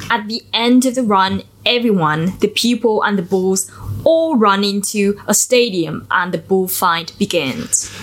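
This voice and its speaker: Against noticeable background noise, a woman speaks at a fairly slow pace. Her pitch is medium, with ordinary variation. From Vietnam. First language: Vietnamese. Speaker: podcast guest. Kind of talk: casual chat; educational explanation. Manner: hesitant.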